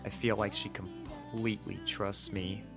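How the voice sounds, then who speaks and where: A man's voice: fairly low pitch, flat delivery, a little slow. Earnest male story reader over faint music. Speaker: fan fiction reader. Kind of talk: scripted first-person story narration.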